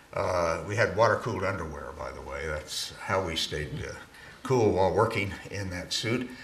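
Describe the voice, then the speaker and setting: A man at a moderate pace with big swings in loudness, audible room echo and light background noise. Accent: American. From United States. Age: 80s+. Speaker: former astronaut and geologist. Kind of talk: lecture to an audience. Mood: genial, lightly humorous. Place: hall. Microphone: podium.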